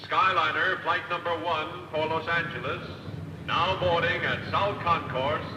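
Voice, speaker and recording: An actor playing a male airport announcer, heard over the airport public address speaker in a formal, measured announcing manner. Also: fairly high pitch, steady tone, noisy background. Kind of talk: 1950s film acting. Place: airport concourse. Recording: echoey hall from far off with film music.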